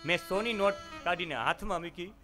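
A man's voice: high-pitched, a little fast. Dramatic preaching man over violin. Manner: dramatic, emphatic moral preaching. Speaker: religious storyteller. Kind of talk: devotional sermon storytelling. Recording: violin music behind the voice.

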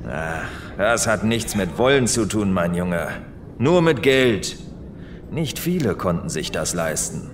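A man's voice: low voice, animated, slow, background noise. A middle-aged man acting as a fatherly, weary police superior in an audio drama.

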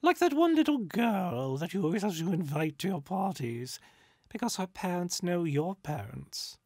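A woman's voice: fairly low pitch, sing-song, moderate pace, a little mellow, breathy edge, dry recording, clean studio sound, pitched above the performer's own voice, full character voice. A narrator voicing a catty, gossipy female spirit in a storybook, with an arch, theatrical and exaggerated delivery. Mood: catty, dismissive.

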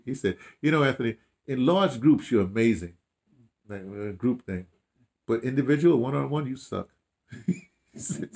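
An American man of sixty-plus, known as an audio dramatist, reflects casually in an interview held in a small room at home. His voice is medium-pitched and a little mellow, and his storytelling rambles with emphasis, false starts and repeated phrases.

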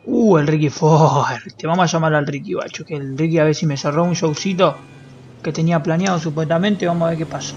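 A man's voice: on the high side, steady tone, brisk, lo-fi sound, background noise. A young man with a Rioplatense Spanish accent, streaming a roleplay game in a brash, joking, swear-heavy manner. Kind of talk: casual gameplay roleplay stream.

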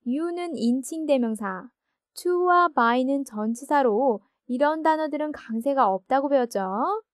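A woman's voice: sits high, no room sound, studio quality. A woman teaching an English grammar lesson, explaining patiently and often asking check questions.

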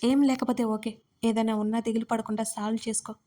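A woman's voice: fairly high pitch, flat delivery, brisk, natural voice. A woman voicing a caring young woman who reassures her friend in an audio story. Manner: soft and reassuring.

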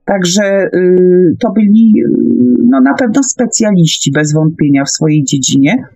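Slow, halting woman in discussion. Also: fairly low pitch, dark tone, no echo, soft background music. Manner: halting, searching for words, hesitant. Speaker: speaker on a paranormal radio discussion. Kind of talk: conversational discussion, explaining at length.

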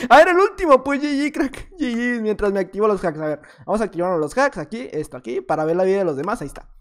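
A man's voice: sits high, animated, fast talker. Playful gamer man, rambling. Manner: playful, rambling, teasing opponents. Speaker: gaming video creator. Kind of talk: casual gameplay commentary.

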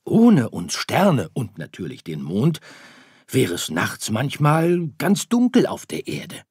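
A man doing a gentle father star. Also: medium pitch, slow pace, husky, no room sound, studio quality, pitched above the performer's own voice, full character voice. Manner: calm, explaining. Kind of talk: audiobook character voice.

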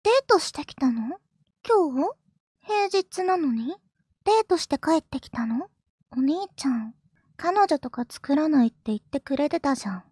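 A woman streamer voicing a clingy, possessive yandere little sister, sweet and doting but turning jealous and menacing, sometimes dropping to a hushed whisper. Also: high voice, expressive, normal speed, dry recording, clean studio sound. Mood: suspicious, jealous. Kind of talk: live-stream character role-play, reacting to chat.

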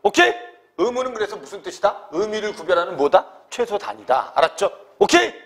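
A middle-aged man teaching a grammar class, constantly checking that students follow with quick tag questions, asking questions and answering them himself, and slowing down to dictate key definitions. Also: high voice, very animated. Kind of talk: classroom lecture.

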